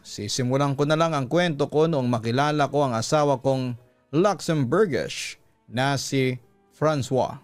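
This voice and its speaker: A man with a Filipino accent reads a love-story letter as a radio storyteller, in a deliberate, expressive dramatic style. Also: medium pitch, no room sound. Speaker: radio storyteller and host reading a listener's letter. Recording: music bed behind close dry voice. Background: background music.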